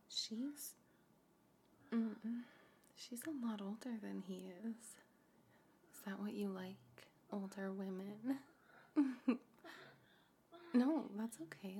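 Woman doing a teasing older babysitter, breathy whisper, slow and low-key, mellow with a bit of gravel. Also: a little hiss or hum. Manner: slow, hushed, coaxing, with soft laughs and hums. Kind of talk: intimate audio roleplay.

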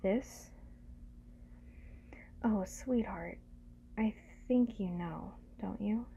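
A woman playing a doting, teasing lover in an intimate ASMR roleplay, speaking gently and soothingly in a breathy voice that often slips into whispers. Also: mid-range voice, very slow, a little hiss or hum. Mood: gentle, teasing.

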